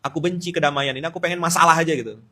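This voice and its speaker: An Islamic preacher from Indonesia delivers a dawn study-circle sermon in Pontianak Malay, his bright, fairly high male voice coming out rapid-fire. He's animated, lively and teasing, swinging between loud outbursts and quiet asides.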